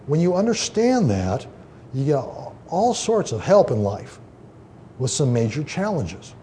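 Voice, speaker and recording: Mellow-voiced preacher man, conversational. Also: fairly high pitch, sing-song, measured pace, a little hiss or hum. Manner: conversational, many fillers and restarts, reads quotations aloud. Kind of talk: informal Bible teaching.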